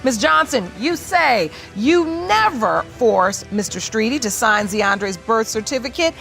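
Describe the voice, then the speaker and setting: A woman's voice: fairly high pitch, animated, a little slow, creaky, a bit bright, faint music behind, low-quality recording. A woman presiding as a TV court judge, questioning litigants in a pointed, commanding way.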